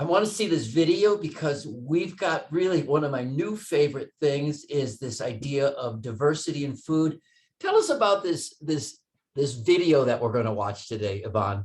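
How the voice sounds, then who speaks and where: A man's somewhat breathy, fairly high voice with lively intonation at a moderate pace. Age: 60s. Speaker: podcast host, medicine professor. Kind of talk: casual chat.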